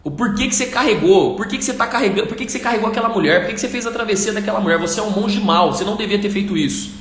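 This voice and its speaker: A man's voice: high voice, rapid-fire, fairly bright tone, a little hiss or hum, pitched above the performer's own voice. A man voicing an indignant male monk who keeps scolding his companion. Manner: nagging, repeats accusations. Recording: echoey room.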